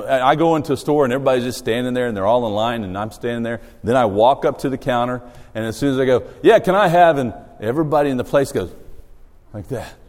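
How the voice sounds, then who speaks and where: A man from Australia, a missionary, telling humorous stories in a church talk with a low voice. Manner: storytelling, animated, self-deprecating humor. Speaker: missionary speaker. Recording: long hall reverb.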